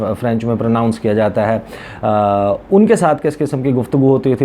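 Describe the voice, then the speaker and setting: A Pakistani man with a soft, mellow voice at a middle pitch presents news commentary. He explains things conversationally, dropping English words into his speech. There is some steady ambient noise behind him. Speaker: journalist covering foreign policy, presenter. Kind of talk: news commentary addressed to viewers.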